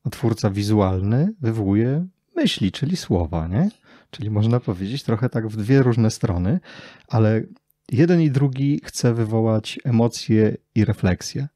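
A man's voice: on the low side, animated, unhurried, dark tone, no room sound, studio quality. A man hosting a conversational interview, phrasing his thoughts in a reflective, tentative way. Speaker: podcast host, interviewer.

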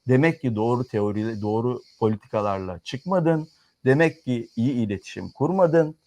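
A man talking economics and politics in a casual chat, arguing firmly and pausing on fillers as he reasons. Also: medium pitch, warm tone, no echo. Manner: argumentative, lectures in firm repeated clauses. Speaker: economics commentator.

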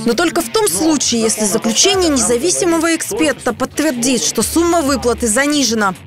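A woman reading scripted news narration in a measured, wry way. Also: high voice, animated. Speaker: news reporter. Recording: voice-over with music underneath.

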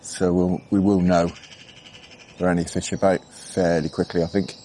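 A man's voice: sits low, flat delivery, normal speed, dark tone, slight background noise. A middle-aged man from England chatting casually while fishing outdoors on a canal bank at dawn, thinking aloud with easy fillers. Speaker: angling vlogger. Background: birdsong and insects.

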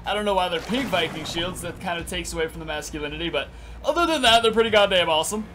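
A young man in his twenties doing energetic, crude gameplay commentary in a small room, his voice raspy because he just woke up. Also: high voice, fast talker, noisy background. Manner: energetic, crude, rambling with lots of "like". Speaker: gaming YouTuber. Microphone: headset.

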